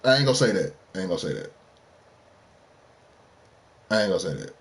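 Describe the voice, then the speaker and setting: A man's voice: deep voice, big pitch swings, fairly quick, husky. A man streaming a game, chatting casually and heatedly with his viewers, using lots of slang as he argues about sports. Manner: talks straight to viewers. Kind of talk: casual live-stream chat.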